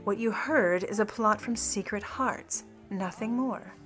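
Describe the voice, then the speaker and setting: A woman's voice: medium pitch, unhurried, a bit bright, breathy edge, soft background music. A woman playing a cool, sly, condescending Hollywood starlet and jewel thief with syrupy politeness in a noir radio play. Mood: guarded, smooth.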